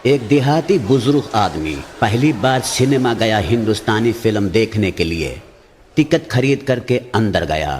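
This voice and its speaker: A comedian with a Surinamese Hindustani accent, telling jokes in plain storytelling narration. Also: male voice, on the low side, expressive, a little slow, darkish tone, slight background noise. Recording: long hall reverb.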